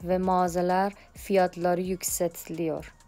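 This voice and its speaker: A woman's voice: fairly low pitch, flat delivery, measured pace, dark tone, faint music behind. A woman with an Iranian accent giving a prepared report in a foreigner's broken Turkish with grammatical slips.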